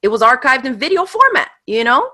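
A woman in her thirties, a guest in a casual interview, telling her story in an animated, quick way with laughs. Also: high voice. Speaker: guest, online craft teacher.

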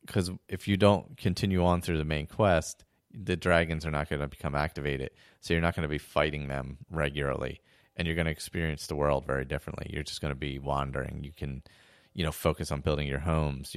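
Deep hoarse man, dry close sound. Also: dry recording. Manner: rambling, many restarts and fillers. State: hoarse, losing his voice. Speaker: podcast host. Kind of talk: casual monologue.

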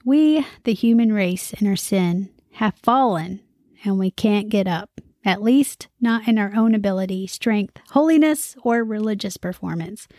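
A woman's voice: medium pitch, unhurried, mellow, no room sound, clean studio sound. A woman in her thirties hosting a Christian music podcast, talking in an upbeat, conversational way with light humor. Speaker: podcast host.

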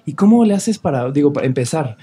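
A man's voice: on the high side, animated, quick pace, warm tone, husky. A man with a Mexican Spanish accent hosting a casual podcast interview, chatty, slangy and enthusiastic. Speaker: podcast host.

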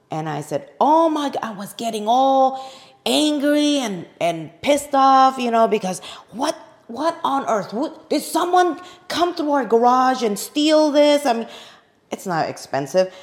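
A middle-aged woman, a real estate agent, chatting as a podcast guest. She tells her story animatedly, laughs often and acts out her own past thoughts. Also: lowish voice. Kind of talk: casual interview chat.

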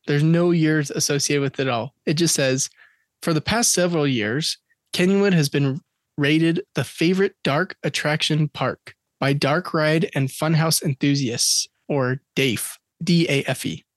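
A man's voice: on the high side, measured pace, no room sound, clean studio sound. A man co-hosting a podcast in casual chat, reading out dates and facts with jokes along the way. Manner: chatty, joking, reads facts and dates aloud. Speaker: podcast co-host.

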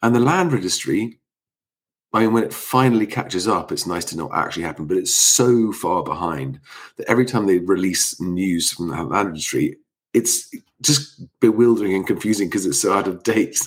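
Male streamer, lowish voice, slightly congested, informal commentary kept hushed for a sleeping household at night. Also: animated, moderate pace. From Sussex, England. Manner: speaking quietly at night so as not to wake sleeping children. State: slight cold. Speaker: live stream host. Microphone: close microphone.

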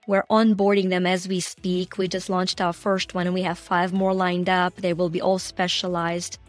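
A woman guest on a podcast talking about her coaching work in an earnest, animated way, often laughing as she speaks. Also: lowish voice, moderate pace, soft background music. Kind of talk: conversational interview.

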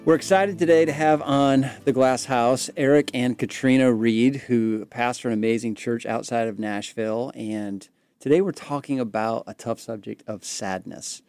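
A man's voice: mid-range voice, fairly even intonation, moderate pace, darkish tone, clean tone, soft background music. A man co-hosting a ministry podcast, introducing guests and asking questions in an earnest, conversational way. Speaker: podcast co-host. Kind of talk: podcast interview.

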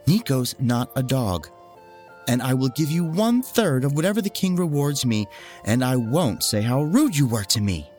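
A man's voice: medium pitch, very animated, normal speed, darkish tone, faint music behind, voice pushed up, close to an everyday voice. A man voicing a kind, earnest and humble poor noblewoman in a storybook tale. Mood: bargaining.

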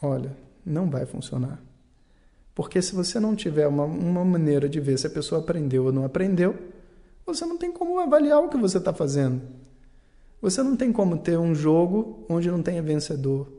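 A man giving a calm, explanatory talk on learning and mistakes, acting out short dialogues as he goes. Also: a little high, fairly quick.

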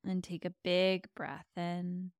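With long pauses between gentle directions, a woman guides listeners through mindfulness on her meditation podcast. Her voice is smooth and slightly low, with little pitch movement, and her slow, soft delivery feels soothing. The sound is dry, close and clear, with no echo.

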